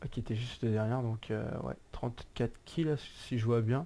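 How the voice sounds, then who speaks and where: A dark, mellow voice speaks at a moderate pace. The recording is very clean, with a silent background. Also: man. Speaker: gaming youtuber. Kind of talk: gameplay commentary.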